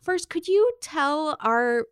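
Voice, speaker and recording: A woman's voice: high voice, animated, slow pace, dry recording, clean studio sound. A woman co-hosting a podcast in casual, upbeat entertainment chat, with an enthusiastic, playful and slangy manner. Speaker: podcast co-host.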